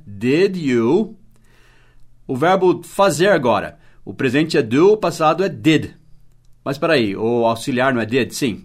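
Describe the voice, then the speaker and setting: Portuguese-speaking guy teaching english on a podcast, patient, spells stuff out, keeps checking in. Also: mid-range voice.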